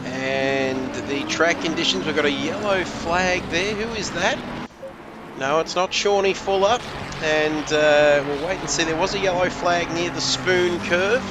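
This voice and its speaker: A man's voice: fairly high pitch, a little slow, background noise. A man commentating a sim race, joking and rambling with his co-host. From Australia. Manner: jokey, rambling banter with co-host.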